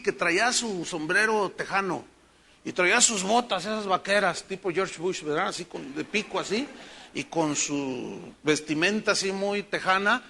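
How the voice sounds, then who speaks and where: A man with a Mexican accent, a pastor preaching a sermon with emphatic rhetorical questions and animated storytelling. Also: high-pitched, creaky, slight background noise. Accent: Mexican Spanish.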